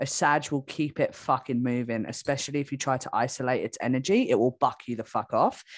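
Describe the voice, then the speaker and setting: A woman's animated, very deep, low-pitched voice in an English accent, fairly quick with hardly any pauses, over a quiet background. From England. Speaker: astrology podcast co-host. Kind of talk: casual chat.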